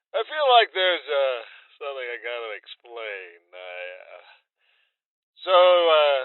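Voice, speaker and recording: Slow, bashful big lonely guy. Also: medium pitch, clean tone, no room sound. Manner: halting, bashful, full of ums and pauses. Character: shy, hesitant, gentle big lonely man leaving a message. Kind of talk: audio drama voicemail monologue. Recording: thin, muffled phone-message sound.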